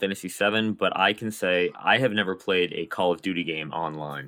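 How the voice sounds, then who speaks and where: A man speaks at a moderate pace. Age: 20s. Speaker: podcast co-host. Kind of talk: casual chat.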